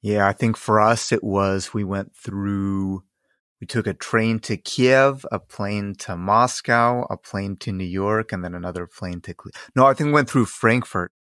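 Low-voiced man in his thirties. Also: measured pace, fairly bright tone, no echo, clean studio sound. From Ukraine, raised in Ohio. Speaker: guest, circus performer. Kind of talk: casual interview chat.

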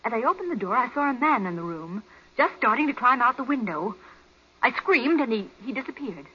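A woman's voice: a little high, very animated, fairly quick, husky. A woman playing an anxious, earnest wife in a 1940s radio crime drama. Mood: shaken. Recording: dull vintage 1940s radio recording.

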